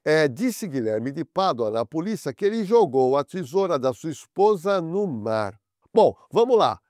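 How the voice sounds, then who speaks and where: A man's voice: fairly high pitch, sing-song, unhurried, darkish tone, no echo, studio quality. A man hosting a true-crime channel, explaining the case directly to the viewer. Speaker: channel host narrating.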